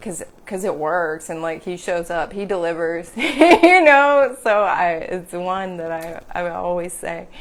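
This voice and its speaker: With a Southern US accent, a woman speaks at a fairly slow pace and a fairly low pitch, with ordinary pitch variation, big swings in loudness and hardly any pauses. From US South. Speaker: reiki practitioner. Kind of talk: casual livestream talk.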